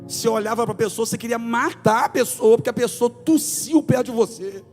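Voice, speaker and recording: A man in his forties, a pastor with a Brazilian accent from Rio de Janeiro state, preaching an animated sermon in a church, moving between soft asides and loud exclamations. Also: very high voice, a little fast, in a large hall, soft background music. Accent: Brazilian Portuguese, Rio de Janeiro state. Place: church sanctuary.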